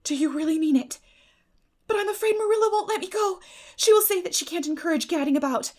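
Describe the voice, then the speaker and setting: A woman's voice: extremely high pitch, expressive, fast talker, a little mellow, pitched above the performer's own voice. A woman voicing a dreamy, effusive young schoolgirl in an audiobook, breathless, earnest and gushing. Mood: anxious, earnest. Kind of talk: dramatic audiobook character reading.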